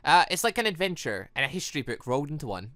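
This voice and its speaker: Man voicing an earnest, awkward young game hero, bright. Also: on the high side, big pitch swings, fast, no room sound, voice pushed down. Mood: fascinated.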